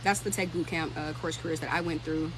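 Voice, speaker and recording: A woman's voice: deep voice, fairly even intonation, quick pace, background noise. A thirty-year-old woman hosting a casual livestream, talking informally and thinking aloud as she answers comments. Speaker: livestream host and tech career content creator.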